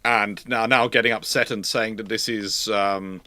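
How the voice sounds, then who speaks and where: Fielding viewer questions on a casual livestream, this host speaks a little slowly in a steady, lowish voice that is bright and forceful. He stammers, restarting phrases and repeating words often; the recording is dry.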